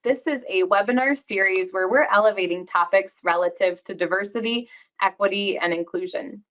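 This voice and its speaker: Woman, webinar host, bright forceful voice, welcoming, dull lo-fi sound. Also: medium pitch, normal speed. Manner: upbeat, welcoming. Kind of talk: hosted webinar conversation. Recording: dull lo-fi audio.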